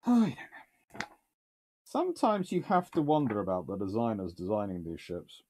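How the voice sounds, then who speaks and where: A British man in his thirties talks casually at a desk in a small book-lined study. He flips between dry, wry asides and sudden bursts of enthusiasm, with a somewhat low voice. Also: huge pitch swings, normal speed, darkish tone. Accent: British English. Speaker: naval historian host. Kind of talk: casual chat reviewing books and answering questions.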